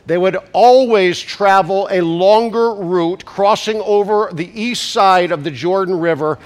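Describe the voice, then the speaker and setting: A male pastor preaching a sermon, congested from a cold, who slows down to stress scripture and rises to emphatic preaching at climaxes. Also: high voice.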